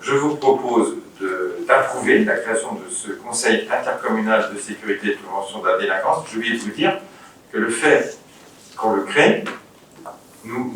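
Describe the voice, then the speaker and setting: A man with a French accent, heard from a distance in a very reverberant room, addresses a council as its chair. His pitch is middling. He explains things in a measured, slightly halting, official way, over faint noise. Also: fairly bright tone. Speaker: mayor chairing a municipal council meeting. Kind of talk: formal council speech, partly improvised explanation. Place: indoor council meeting room.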